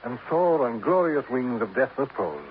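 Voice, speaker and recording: A man's voice: mid-range voice, lively intonation, moderate pace, lightly acted. A man playing a grandiloquent eccentric who lectures squirrels in florid, theatrical speech, in 1950s radio drama style on an old recording. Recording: dull old radio transcription, faint hiss.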